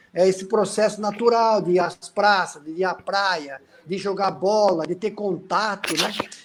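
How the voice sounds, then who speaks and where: Speech at a fairly slow pace with fairly even intonation comes through over noticeable background noise. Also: man, high pitch for a man. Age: 60s. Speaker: physical education teacher and basketball coach. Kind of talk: live video chat introduction.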